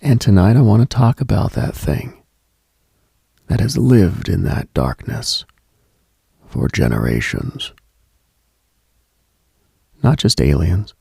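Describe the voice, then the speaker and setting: Guy doing a late night mystical radio monologue, really gravelly and deep, hushed and solemn, dramatic pauses. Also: no room sound, clean studio sound. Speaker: radio host.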